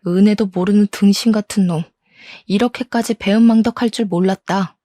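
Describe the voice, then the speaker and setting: A woman voicing a betrayed wife confronting her cheating husband with indignant, sharp words. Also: mid-range voice, fairly even intonation, fairly quick, no echo, clean studio sound, natural voice.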